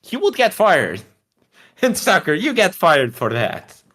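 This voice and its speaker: A man's voice: high voice, huge pitch swings, takes it slowly, a bit bright. A man from Portugal co-hosting a casual sports podcast, talking bluntly with swearing and rambling explanations. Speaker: podcast co-host.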